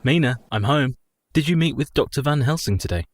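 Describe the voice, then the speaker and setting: A man's voice: medium pitch, expressive, brisk, noisy background, close to an everyday voice. A man playing a shaken, nervous young husband. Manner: formal speech, prone to alarm. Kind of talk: radio play acting.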